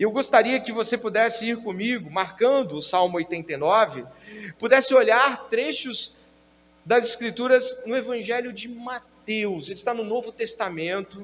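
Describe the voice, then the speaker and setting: At an extremely high pitch with ordinary pitch variation, a man talks at a fairly slow pace. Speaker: pastor. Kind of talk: sermon.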